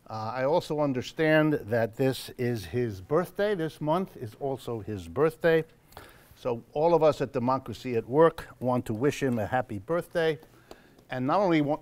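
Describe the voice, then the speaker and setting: Man, event host, live announcements, measured, wry, pauses and fillers, church hall audience. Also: medium pitch, a little mellow. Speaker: host of a monthly lecture event.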